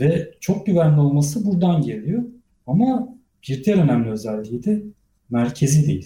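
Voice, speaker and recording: A man's somewhat breathy, dark, mellow voice, fairly high in pitch, with very wide pitch swings. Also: moderate pace. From Turkey, Diyarbakır. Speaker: software engineer. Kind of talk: interview.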